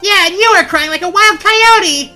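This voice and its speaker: A woman voicing an excitable, big-hearted young friend in a game story, with a gushing, emotional, high-energy delivery. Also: moderate pace, soft background music. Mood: tearful relief.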